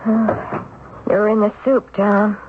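A woman playing an anxious but wry, loyal wife in a radio mystery drama, with expressive delivery. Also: medium pitch, slow, natural voice. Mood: wry, urging. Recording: tinny, noisy old radio broadcast.

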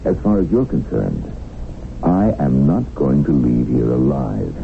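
An actor playing a wry, unflappable rich man of about fifty held captive in a radio drama, speaking in a sardonic, deliberate way. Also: a bass voice, sing-song, vocal fry, full character voice. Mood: cool, probing. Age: middle-aged. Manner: sardonic, deliberate, drawn-out phrasing. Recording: tinny, hissy old radio recording.

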